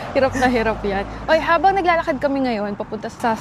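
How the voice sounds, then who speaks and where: A woman talks over noticeable background noise, with audible echo from the room. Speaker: travel vlogger. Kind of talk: travel vlog narration. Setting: outdoors. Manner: quieter, subdued.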